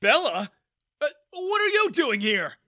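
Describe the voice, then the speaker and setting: A storyteller voicing a scornful middle-aged father who sneers and shouts, in a high, loud put-on voice. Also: very animated, normal speed, no echo, clean studio sound, heavily acted. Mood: furious.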